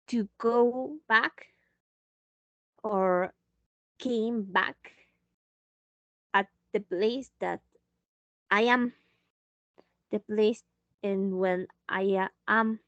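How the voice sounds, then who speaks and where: Woman English teacher, slow and patient delivery, fairly high voice, dull dry call audio. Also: fairly bright tone, no echo. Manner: slow, patient, switching into Spanish to explain. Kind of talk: online English lesson.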